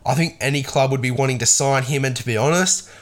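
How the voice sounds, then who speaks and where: A man's voice: mid-range voice, fast talker, fairly bright tone. A man with an Australian accent hosting a solo sports news podcast, talking casually and with strong opinions, his voice nasal and congested from a cold. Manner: casual, opinionated, many ums and restarts. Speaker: podcast host.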